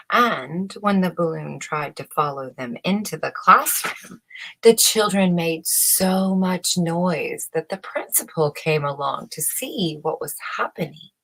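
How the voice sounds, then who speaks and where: A woman reading a children's bedtime story aloud in a measured, expressive way, with a husky voice. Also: low voice, rough recording. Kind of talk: scripted bedtime story narration.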